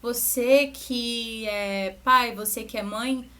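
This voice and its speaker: A young woman with a slightly high voice talks parents through a lesson. She is a music teacher, and her delivery is loose and conversational, full of little asides and restarted sentences. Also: steady tone, slow, bright, forceful tone. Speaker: music teacher and channel host. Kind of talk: educational talk to parents.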